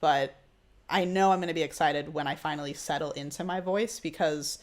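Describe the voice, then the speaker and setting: Podcast co-host, trans man early on testosterone, high voice just beginning to drop, easygoing and laugh-prone. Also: a little fast. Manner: upbeat, laughs often. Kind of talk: casual chat.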